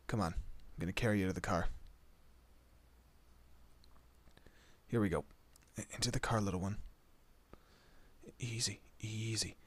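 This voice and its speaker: Man playing a husky, intense protective monster. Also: lowish voice, a bit bright. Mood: gentle, worried. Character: protective male monster, menacing to foes, tender to his human. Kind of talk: dramatic horror roleplay audio.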